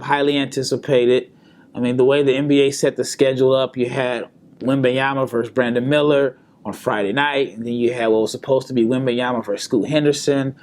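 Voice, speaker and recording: A man hosting a solo basketball podcast in an easygoing, chatty way. His voice is slightly hoarse from a sore throat, and he often repeats words and restarts his sentences. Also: mid-range voice. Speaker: podcast host and basketball scout. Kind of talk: casual solo podcast commentary. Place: hotel room or indoor spot in Las Vegas.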